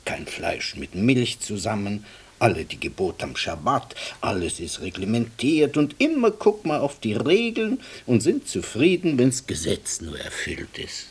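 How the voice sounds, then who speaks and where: Protschka, a husky, wry Jewish handyman. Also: medium pitch, big pitch swings, unhurried, exaggerated voice. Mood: earnest, explaining. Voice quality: husky, breathy. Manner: colloquial, hesitant, emphatic storytelling. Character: wry, humble Jewish handyman from the East, earnest storyteller. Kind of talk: radio play dialogue.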